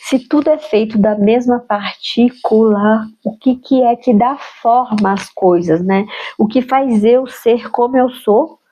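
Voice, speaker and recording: A woman's voice: fairly high pitch, slow, warm tone, low-quality recording. A woman with a nasal, stuffed-up voice from a cold, reflecting aloud on her spiritual practice in a musing way and adding tag questions to her sentences. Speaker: spiritual vlogger. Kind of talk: reflective personal talk.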